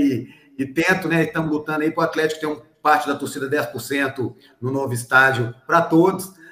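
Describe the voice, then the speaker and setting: A man's fairly high voice with fairly even intonation, audible room echo and light background noise. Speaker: institute founder; remote guest. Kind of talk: interview. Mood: warm, reflective. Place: office.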